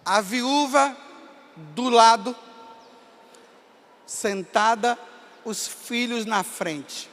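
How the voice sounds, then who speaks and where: A Brazilian priest in his fifties with a Bahia accent, telling stories in a sermon and rising to impassioned shouts. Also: extremely high pitch, drawn-out words, pauses often. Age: 50s. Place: large hall at a camp gathering. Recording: long reverb of a large hall.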